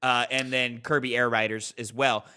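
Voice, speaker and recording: A man chats as a podcast co-host in an informal, bantering way. His voice is bright, at a middling pitch. He speaks like he is among friends. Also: little pitch movement, normal speed, smooth. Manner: sweary. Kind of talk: casual chat, bantering.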